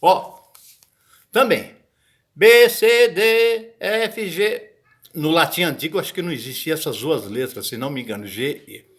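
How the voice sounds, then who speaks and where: A man's voice: a little high, measured pace, fairly bright tone. A man giving a casual video lesson on botanical Latin, chatty and often searching for words. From Brazil. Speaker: botany teacher.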